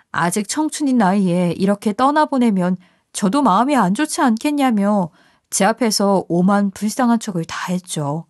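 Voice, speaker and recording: Woman telling her own story kinda confiding, a bit high, dry studio sound. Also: no room sound. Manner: confiding first-person telling. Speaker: narrator. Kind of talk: scripted story narration.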